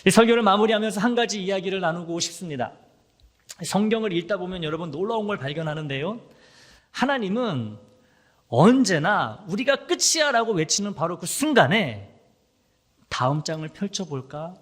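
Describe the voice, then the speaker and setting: Korean pastor preaching in a reverberant sanctuary. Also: male voice, sits high, normal speed. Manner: animated preaching, acting out quoted voices, dropping to whispers. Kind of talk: sermon. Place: church sanctuary. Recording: long hall reverb.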